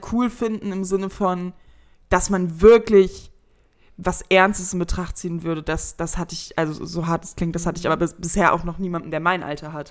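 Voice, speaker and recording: An unremarkable speaking voice from a woman, fairly low in pitch, at a fairly quick pace with fairly even intonation and big swings in loudness. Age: 20s. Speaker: podcast co-host. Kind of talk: casual chat.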